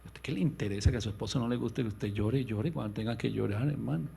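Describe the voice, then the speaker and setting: A male pastor delivering an impassioned sermon, swinging between loud, raised lines and hushed, low ones, and acting out quoted voices in a higher pitch. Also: quick pace, vocal fry, husky. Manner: impassioned preaching with sudden loud rises and hushed drops. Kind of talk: radio sermon.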